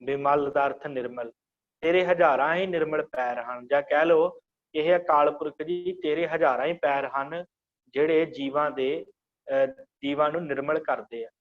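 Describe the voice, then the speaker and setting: A man with a slightly high voice leads a scripture lesson. He chants each verse line slowly, then patiently breaks it down word by word. The audio is dull and lo-fi, like an online class. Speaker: scripture teacher.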